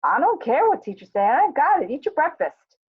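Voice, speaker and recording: A woman's voice: medium pitch, sing-song, moderate pace. Woman acting out a weary young mother, stern yet loving, dry, clipped delivery, stage drama reading, muffled lo-fi phone-like audio. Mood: scolding. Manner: scolding, dry, clipped commands.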